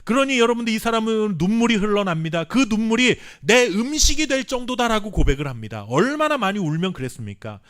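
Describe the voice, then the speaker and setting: A Korean pastor preaching a sermon with earnest emphasis and dramatic pauses, sometimes reading scripture slowly. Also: male voice, high voice, big pitch swings, a bit bright. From South Korea. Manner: reads scripture aloud slowly with the congregation.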